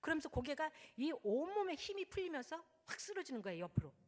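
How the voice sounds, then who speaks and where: A woman's voice: high voice, fast talker. A woman pastor telling a story in a sermon, acting out the prayers and speech of the people in it. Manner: animated storytelling with acted prayers. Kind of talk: sermon testimony. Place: church sanctuary. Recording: church hall reverb.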